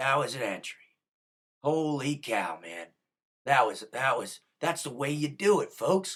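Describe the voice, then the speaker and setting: Speaking slowly with long, frequent pauses, a man with an American accent uses a fairly high pitch, lively intonation and vocal fry. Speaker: motivational speaker and podcast host. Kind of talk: motivational podcast talk. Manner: energetic, animated; repetitive, stammering restarts.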